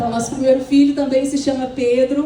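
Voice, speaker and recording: In a strong Rio de Janeiro accent, a woman speaks at a high pitch amid noticeable background noise and audible room echo. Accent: Rio de Janeiro (carioca) accent, strong. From Brazil, Petrópolis, Rio de Janeiro state. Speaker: pastor. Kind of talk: sermon. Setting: church conference with audience.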